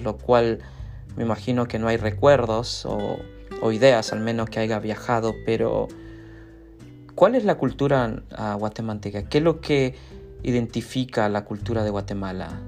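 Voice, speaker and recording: A man hosting an interview, asking his guest questions with curious interest. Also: medium pitch. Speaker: interview host. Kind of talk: casual interview talk.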